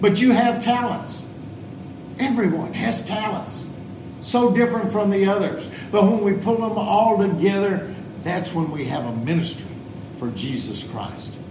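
Noticeable background noise sits behind a man with a high pitch. He talks at a fairly slow pace, leaving long, frequent pauses. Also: lively intonation. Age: 70s. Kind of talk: sermon. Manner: halting.

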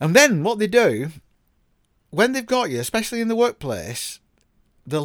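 Very wide pitch swings mark a man's high voice on a very clean recording with a silent background. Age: 60s. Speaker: podcaster. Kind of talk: opinion monologue. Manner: animated.

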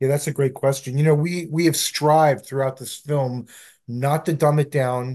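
A man's fairly high voice with a dark, mellow tone and fairly even intonation. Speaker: film producer. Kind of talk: interview.

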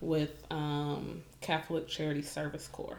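Against noticeable background noise, a woman with an American accent speaks at a very deep, low pitch. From Chicago. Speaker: activist and poet. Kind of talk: casual chat.

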